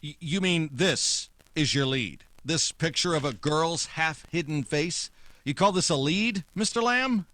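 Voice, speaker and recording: An actor playing a hard-boiled private detective in a 1940s-style radio drama, terse, wry and world-weary. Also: male voice, fairly high pitch, lively intonation, unhurried, pushed and bright, no room sound. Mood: skeptical, wry. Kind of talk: 1940s noir radio drama narration and dialogue.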